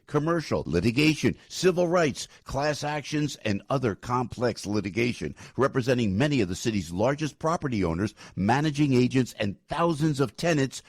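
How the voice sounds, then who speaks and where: A man's voice: medium pitch, no room sound, studio quality. A man announcing a scripted radio ad in a punchy announcer delivery.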